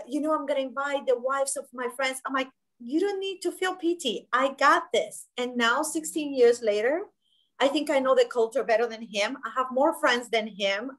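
Woman, 30s, webinar panelist on a video call; slightly high, emphatic, restarts a lot. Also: poor audio. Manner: emphatic, gestures with hands, frequent fillers and restarts. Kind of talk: conversational panel discussion. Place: home office, indoors. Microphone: laptop webcam video call.

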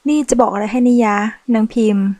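A woman's voice: medium pitch, steady tone, quick pace, warm tone, no echo, natural voice. A woman reading a novel aloud, voicing a sassy, boastful transgender woman who manages loans at a bank. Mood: teasing. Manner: brash, teasing, boastful.

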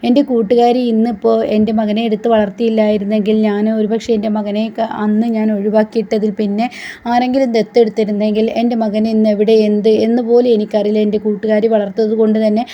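A woman's voice: mid-range voice, little pitch movement, fast, lightly acted. Woman reading a humble birth mother, pleading, level, lo-fi. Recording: dull lo-fi recording.

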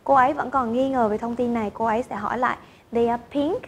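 Woman teacher, high pitch, demonstrates intonation, slight rumble. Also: fairly even intonation, rapid-fire. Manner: clear explanatory, models intonation examples. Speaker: English teacher. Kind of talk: online lesson narration.

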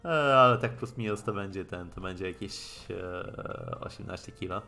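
A man with a Polish accent on a live game stream, haltingly translating dialogue aloud and commenting casually. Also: low-pitched, gravelly, sharp tone. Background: game music.

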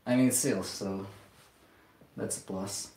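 A man's voice: lowish voice, steady tone, warm tone. A young man with a Slovak accent, talking hesitantly while he works in a home workshop during a live stream. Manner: hesitant, self-deprecating, halting. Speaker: livestreaming glassblower. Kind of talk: casual live-stream commentary.

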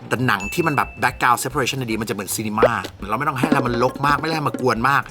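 A young man chatting casually and excitedly as he reviews a camera lens, swearing now and then. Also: medium pitch, quick pace. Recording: music bed under the voice.

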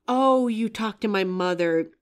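A young adult woman voices an earnest, confident, helpful young psychic in a scripted roleplay audio drama, speaking directly to the listener. Her pitch is medium, her pace measured and her tone clean, close to how she'd sound every day. She comes across as polite and assured.

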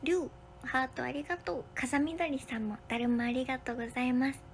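A young woman, hosting a casual livestream from a hotel room and thanking viewers for their comments one by one, sometimes dropping to a soft whisper. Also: high voice, fairly even intonation, fast, gravelly, slight background noise. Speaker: livestream host.

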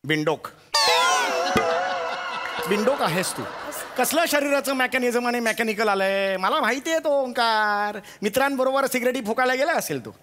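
A man's voice: very high voice, lively intonation, normal speed, over loud music. An actor playing a bossy, sarcastic middle-aged father who scolds his wife and son in a stage comedy sketch. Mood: mocking. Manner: mocking, scolding, theatrical.

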